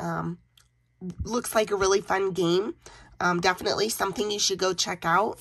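A woman speaks at a fairly quick pace, her intonation fairly even, with a quiet background behind her. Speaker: trading card channel host. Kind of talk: casual vlog chat.

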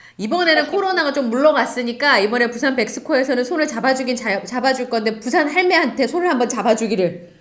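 A woman speaks at a very fast pace and high pitch with lively intonation and hardly any pauses. Noticeable background noise sits behind her. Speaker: YouTube news-style host. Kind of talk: interviewer questions.

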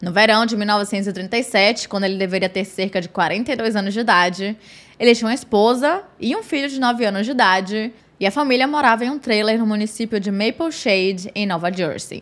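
Speaking at a moderate pace, a woman talks with a Brazilian accent. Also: ordinary pitch variation. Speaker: true crime YouTuber. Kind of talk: true-crime narration; casual storytelling to camera. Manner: indignant, conversational asides. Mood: serious, shocked at times. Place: home room. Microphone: studio mic.

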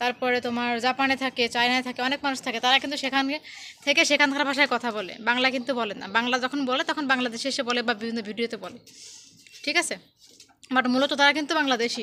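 A woman's raised, projected voice, high in pitch, over noticeable background noise. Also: fairly even intonation. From Bangladesh, Dhaka. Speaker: vlogger. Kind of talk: vlog monologue answering viewer comments.

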